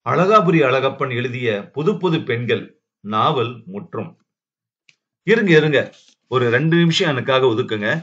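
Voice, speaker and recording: A man narrating a family novel in measured storytelling, then chatting directly with listeners. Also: medium pitch, expressive, fairly bright tone. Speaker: audiobook narrator. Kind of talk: reading a family novel aloud. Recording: dull lo-fi recording.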